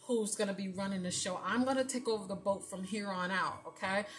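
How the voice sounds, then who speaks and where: The delivery has an animated tone, a moderate pace and ordinary pitch variation. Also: woman. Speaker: podcast host and tarot card reader. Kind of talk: spiritual card reading monologue.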